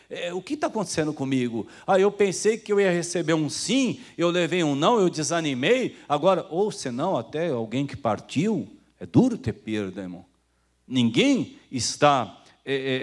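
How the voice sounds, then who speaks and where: A man with a Brazilian Portuguese accent preaching a sermon as pastor, talking to the congregation like brothers and acting out the people he quotes. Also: a little high. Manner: conversational preaching, calls listeners "irmão", acts out quoted voices.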